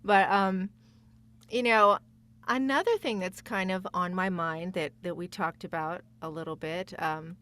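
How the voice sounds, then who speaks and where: A woman guest voice actress telling stories casually, in a chatty, giggly, rambling and animated way. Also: lowish voice, a little slow.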